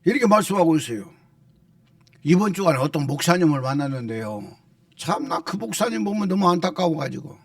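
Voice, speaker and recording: A man's voice: on the high side, sing-song, fairly quick, no echo, studio quality, far from the mic. A male pastor preaching a sermon with emphasis, repeating key phrases and prompting his listeners for replies.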